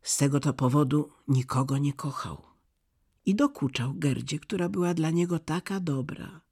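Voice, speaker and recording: A storyteller reading a fairy tale aloud, expressive and sometimes sinking to a near-whisper. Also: medium pitch, moderate pace, gravelly, husky.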